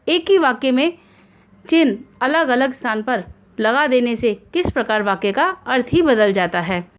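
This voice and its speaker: A woman hosting an online grammar lesson, explaining in a formal, measured way with examples. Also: fairly high pitch, muffled recording. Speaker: Hindi grammar teacher, channel host.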